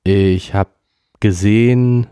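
A man's voice: fairly low pitch, animated, unhurried, darkish tone, no room sound, clean studio sound, voice pushed up. A man reading an audiobook, voicing a devoted manservant who talks in a breathless, stammering way. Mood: strained. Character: loyal, devoted male manservant, exhausted.

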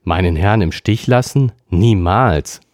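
A man's voice: deep voice, unhurried, a little mellow, dry recording, studio quality. A man reading an audiobook, voicing a devoted manservant who talks in a breathless, stammering way. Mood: strained. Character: loyal, devoted male manservant, exhausted.

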